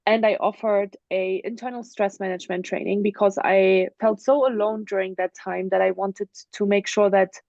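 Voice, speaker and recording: A woman's voice: medium pitch, flat delivery, moderate pace, few pauses, a little mellow, dry recording. German-accented woman in her thirties, interview guest, earnest and open, muffled dry video-call sound. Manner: open, earnest, frequent ums. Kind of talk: casual interview, personal story. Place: home in the mountains.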